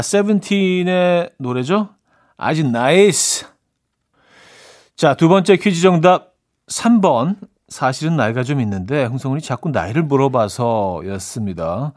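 A man's voice: mid-range voice, lively intonation, moderate pace, a little mellow. Playful man hosting a radio quiz. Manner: playful, announcer-like delivery. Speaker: radio quiz show host.

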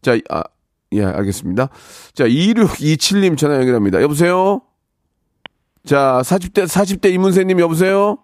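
A male radio host running a call-in segment, teasing callers with quick deadpan verdicts. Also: fairly high pitch, no echo, clean studio sound. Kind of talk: lively radio call-in banter. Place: radio studio. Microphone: studio microphone.

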